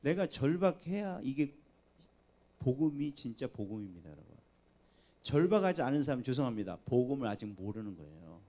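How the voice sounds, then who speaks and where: A man preaching a sermon in a church. He swings between soft, low asides and loud, emphatic appeals to the congregation. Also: sing-song, brisk. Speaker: pastor. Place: church sanctuary.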